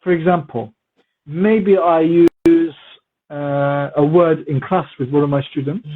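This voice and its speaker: Brief: man, language teacher, husky, slightly high voice, tinny phone-like sound. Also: a little slow. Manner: relaxed, repetitive for emphasis, mixes in Turkish words. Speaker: English teacher interviewed as guest. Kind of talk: casual conversational Q&A. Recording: muffled phone-like audio.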